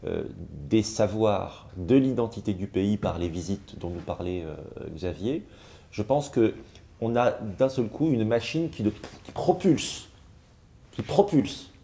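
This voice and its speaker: A man of Algerian descent, speaking in a panel discussion in a measured way, with frequent hesitations and repeated words. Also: lowish voice, warm tone. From France, of Algerian descent. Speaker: panel guest.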